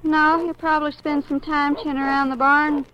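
An actress playing a young, offhand rural daughter with folksy speech in a 1950s radio drama. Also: female voice, sits high, flat delivery, moderate pace, close to an everyday voice. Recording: muffled old radio, faint noise.

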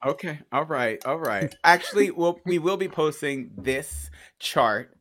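A man's voice: fairly high pitch, lively intonation, a little slow, fairly bright tone, a little hiss or hum. A man co-hosting a podcast in casual, cheeky banter with a playful, campy manner. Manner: playful, campy, cheeky, calls co-host darling and girl. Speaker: podcast co-host.

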